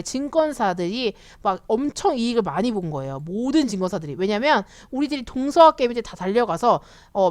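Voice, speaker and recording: Lively, chatty woman explaining the stock market. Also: a little high, no echo. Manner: chatty, animated, acts out quotes of eager retail investors. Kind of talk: casual explanatory lecture.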